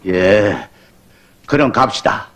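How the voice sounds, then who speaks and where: Animated North Korean mine chief. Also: male voice, on the low side, slow. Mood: grateful. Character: grateful, eager male coal mine chief. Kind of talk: film drama acting.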